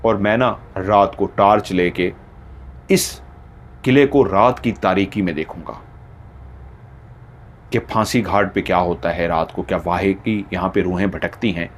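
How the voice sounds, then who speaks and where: A man's voice: deep voice, a little slow, long pauses, slight background noise, voice pushed down. A man voicing a young man who reproaches his friends and urges them to stop fighting. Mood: reproachful. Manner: reproachful, urging calm. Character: young man, peacemaker leading the group.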